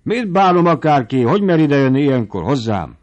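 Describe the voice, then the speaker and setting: A man voicing an irascible old country squire who barks orders in shouting tirades. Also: a little high, sing-song, pitched above the performer's own voice. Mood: furious. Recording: dull lo-fi audiobook recording.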